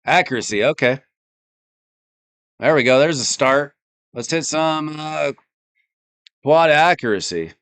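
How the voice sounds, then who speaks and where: Slow-talking man streaming a game. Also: fairly high pitch, clean tone. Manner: relaxed, thinking aloud while playing. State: losing his voice. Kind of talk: casual live-stream commentary.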